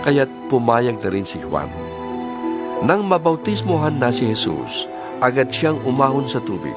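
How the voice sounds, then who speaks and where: Expressive male scripture narrator. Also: medium pitch, measured pace. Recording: faint music behind narration. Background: music.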